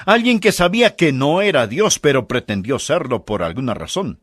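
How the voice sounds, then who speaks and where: A man's voice: medium pitch, sing-song, moderate pace, a bit bright, no room sound, clean studio sound. A man preaching a sermon, pressing the listeners with emphatic rhetorical questions.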